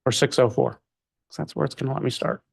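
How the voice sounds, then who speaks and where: A man speaking as a prosecutor in a courtroom, questioning formally in measured, halting phrases. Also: medium pitch, creaky, a little mellow, husky.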